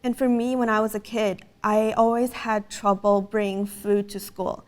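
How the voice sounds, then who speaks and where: A woman's voice: medium pitch, level tone, moderate pace. A woman in her twenties, raised in Canada, earnestly explaining her business in a casual interview, with frequent fillers. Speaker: startup co-founder, guest.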